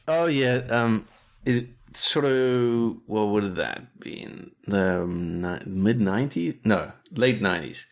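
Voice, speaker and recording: Deep-voiced man in a rambling chat. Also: expressive, takes it slowly. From South Africa. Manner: rambling, many restarts and fillers. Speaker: guest, director and animator. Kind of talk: casual interview chat.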